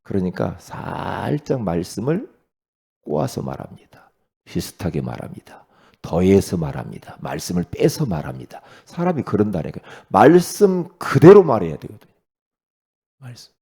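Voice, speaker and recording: A man preaching an early-morning sermon as pastor, talking with lively swings and often asking his listeners questions. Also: low-pitched, moderate pace, vocal fry, slightly rough. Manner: animated preaching, rhetorical questions to the congregation.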